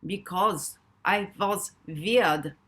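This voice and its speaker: A woman's voice: mid-range voice, very slow, fairly bright tone. A woman doing a meek, robotic hypnotized man. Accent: German, put on.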